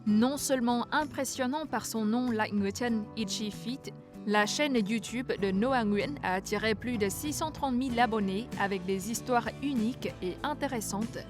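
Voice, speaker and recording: A woman's voice: a little high, moderate pace. A woman reading scripted narration for a television news feature. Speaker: news reporter. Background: background music.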